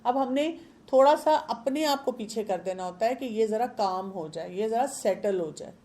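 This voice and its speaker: A woman's voice: on the high side, expressive, warm tone. A woman with a Pakistani Urdu accent, a parenting expert who explains with everyday examples and questions, mixing English words into her talk.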